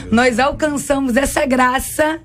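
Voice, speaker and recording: A woman with a Brazilian Portuguese accent, her voice hoarse and worn after a conference. She pitches high and speaks in a steady, earnest preaching tone on a radio panel. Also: slow pace, slight background noise. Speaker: assistant pastor, debate guest. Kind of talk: radio debate.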